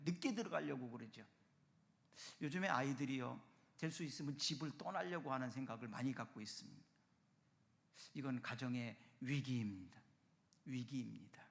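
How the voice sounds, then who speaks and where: A man's voice: fairly high pitch, creaky, bright, forceful tone, in a large hall. A man preaching a sermon as pastor, earnest, with rising and falling emphasis and rhetorical questions. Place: church sanctuary.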